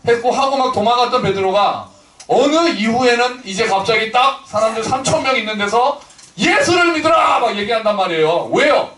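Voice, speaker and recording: A man's voice: high voice, fairly quick, a bit bright. A man pastor preaching a sermon in a conversational way, acting out quoted people in different voices. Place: church sanctuary. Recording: echoey church hall from far off.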